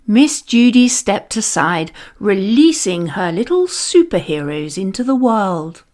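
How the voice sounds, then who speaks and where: A woman reading a children's story aloud with dramatic, expressive narration. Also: mid-range voice. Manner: animated, dramatic, deliberate storytelling.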